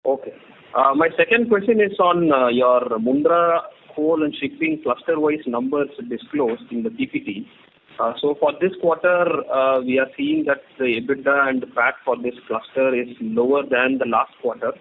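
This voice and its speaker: A man asking halting, careful questions as an analyst on an earnings call, speaking over a phone line and sounding distant. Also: a little high, animated, creaky. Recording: tinny phone line with faint hiss, distant.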